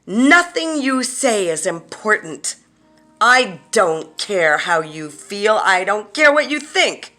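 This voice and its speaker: A woman's voice: mid-range voice, big pitch swings, takes it slowly, sharp tone, soft background music, exaggerated voice. A woman voicing a cruel, furious abuser who screams harsh insults at a child, punching each phrase. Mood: furious, contemptuous.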